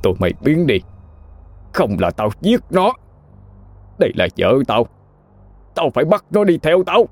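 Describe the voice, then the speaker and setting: Man voicing vengeful possessed youth, snarling, wild pitch, dry storybook read. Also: wildly swooping pitch, slow, long pauses, no echo, exaggerated voice. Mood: menacing. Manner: snarling, threatening. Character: young man possessed by a vengeful ghost, menacing.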